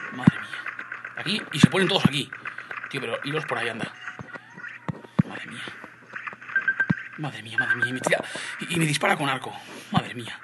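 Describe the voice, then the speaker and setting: A young man from Spain with a Spanish accent, giving casual gameplay commentary, swinging between loud outbursts and low muttering. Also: very noisy. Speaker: gaming youtuber.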